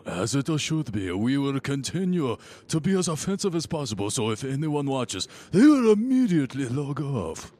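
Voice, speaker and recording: A man chatting in a tabletop game stream, talking in a deadpan, mock-formal way. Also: mid-range voice, normal speed, few pauses. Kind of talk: casual chat.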